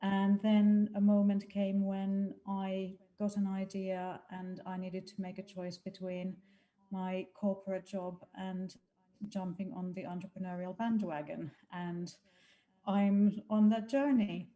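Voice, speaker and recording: A woman's voice: mid-range voice, slow, highs cut off. A woman from Finland introducing herself frankly on a video call. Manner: candid, lively and frank. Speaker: participant.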